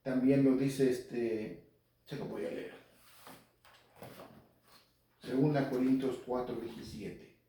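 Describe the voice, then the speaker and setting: A man's voice: mid-range voice, fairly even intonation, takes it slowly, pauses often, dark tone. A man teaching the Bible on the radio in an earnest, conversational preaching style. He often repeats himself and speaks straight to his listeners. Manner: earnest, repetitive, addresses listeners directly. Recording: very echoey, speaker far from mic.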